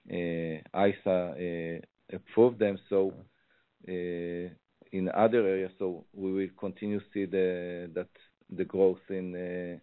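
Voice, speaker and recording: A man with an Israeli accent answers on an earnings call as a finance executive, phrasing things haltingly. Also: deep voice, clean tone. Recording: muffled, tinny phone conference line.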